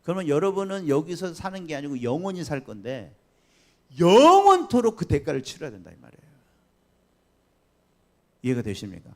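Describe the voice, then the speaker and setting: A man preaching a Sunday sermon as pastor, chatty and lively, asking the congregation questions and laughing along. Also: fairly high pitch, normal speed, long pauses. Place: church sanctuary.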